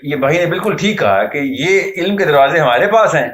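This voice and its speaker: A man's voice: on the high side, animated, a bit bright, roomy sound. A man speaking earnestly in a lecturing manner, mixing in English words, as a guest on a talk show. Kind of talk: Islamic talk show discussion.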